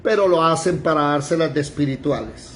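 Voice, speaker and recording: Animated high-voiced teacher. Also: male voice, brisk, slight background noise. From Colombia. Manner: animated, rhetorical questions, mock dialogues. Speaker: Bible teacher. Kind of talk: informal Bible class.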